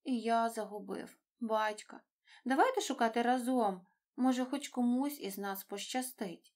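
A woman's voice: a little high, unhurried, a little mellow, lightly acted. A woman voicing a small, polite and brave boy clownfish in a storybook reading, speaking eagerly. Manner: polite, eager, piping child voice.

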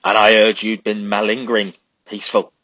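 A man's voice: low voice, flat delivery, moderate pace, a bit bright, no room sound. A man voicing a snarling, bullying army sergeant who threatens the soldiers, in a storybook reading. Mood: menacing. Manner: snarling, menacing. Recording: dull lo-fi recording.

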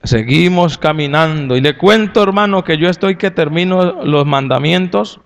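Un pastor con acento colombiano que predica a su congregación en tono campechano y jocoso, con preguntas directas al público. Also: male voice, a little high, moderate pace. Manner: folksy and humorous, with lively asides to the audience. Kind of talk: sermon to a congregation.

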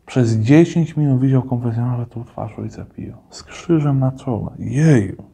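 A man hosts his devotional channel in an earnest, storytelling way. His voice is warm and mellow, set at an ordinary middle pitch. He reads a testimony aloud and pauses to add reverent comments of his own. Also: gravelly, husky. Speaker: host of a religious channel.

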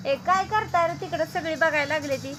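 Filming her pet cats for a casual home vlog, a mother talks to them in teasing baby-talk. Her voice is high-pitched and her delivery brisk.

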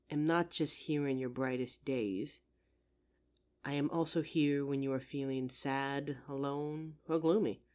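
A woman playing a caring, worried best friend in an audio roleplay, speaking in an earnest, soothing, gently insistent way. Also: deep voice. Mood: tender, reassuring. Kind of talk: roleplay audio drama monologue, intimate comforting.

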